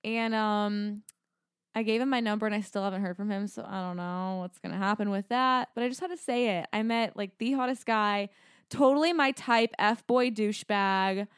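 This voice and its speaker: Young woman podcast cohost, chatty storyteller, smooth voice, dry mic. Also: mid-range voice, normal speed, no room sound. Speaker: podcast co-host. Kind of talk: casual chat.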